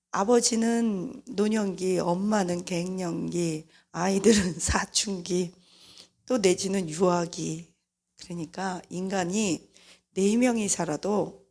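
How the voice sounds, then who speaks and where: A middle-aged woman preacher giving a lively sermon-style talk about parents and children, acting out family voices along the way. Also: lowish voice. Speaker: mission leader and preacher.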